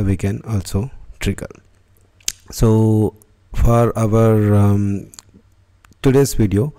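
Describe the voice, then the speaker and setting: A man hosting a screen-recorded software tutorial, talking it through unscripted with many fillers and restarts. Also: fairly low pitch. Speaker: tutorial host.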